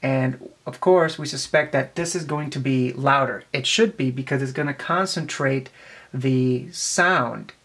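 A man in his twenties presents a tech demonstration with a casual, hands-on explanation, pausing a little as he thinks out loud. His voice is medium in pitch and fairly bright. He's recorded on a camera mic in a small, cluttered office, with clear background noise and handling clicks.

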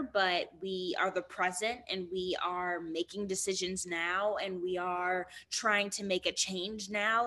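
A woman's voice: medium pitch, a bit bright. A young woman speaking earnestly in a remote interview, with many ums and restarts, heard over a laptop mic on a video call. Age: young adult. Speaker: guest actor.

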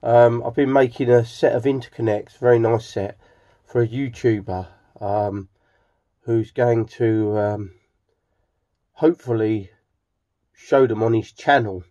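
A middle-aged man with an English accent gives a casual, rambling vlog narration in a halting, hesitant manner. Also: mid-range voice, steady tone, mellow. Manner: halting, hesitant, with frequent throat clearing. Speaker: hobbyist video host. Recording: slightly dull home recording.

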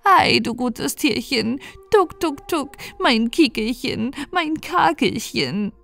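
A woman voicing a scheming old witch who coaxes and coos in a sing-song way, with soft music behind. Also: expressive, takes it slowly, creaky, no echo, heavily acted. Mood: wheedling. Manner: coaxing, sing-song cooing, high and loud. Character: scheming old female witch, sly and wheedling.

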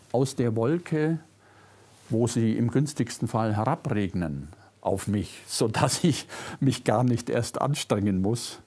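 Slow, mellow older man with a Bavarian-Swabian tinge. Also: mid-range voice. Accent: Bavarian-Swabian German. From Germany. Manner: measured, reflective, with emphatic lifts on key words. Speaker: philosopher giving a public lecture. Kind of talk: reading a prepared lecture. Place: lecture room, seated at a desk. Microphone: lapel mic.

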